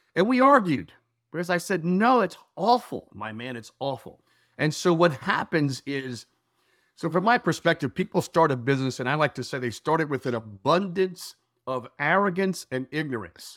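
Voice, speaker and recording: The speaker has an American accent and a moderate pace, with very wide pitch swings. The sound is dry and close, with no echo. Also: man, fairly high pitch for a man. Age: 50s. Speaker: business consultant. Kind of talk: interview. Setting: video call.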